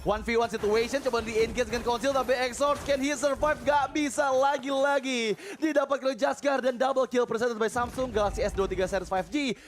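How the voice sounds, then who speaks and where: An Indonesian man calling a live esports match like an excitable fighting game announcer, urgent and repeating words. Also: extremely high pitch, brisk, hardly any pauses, slight background noise. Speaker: esports play-by-play caster.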